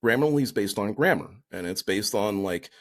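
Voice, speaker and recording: A man's voice: on the low side, expressive, normal speed, fairly bright tone. A man co-hosting a podcast, explaining things in a rambling, casual way. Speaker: podcast co-host.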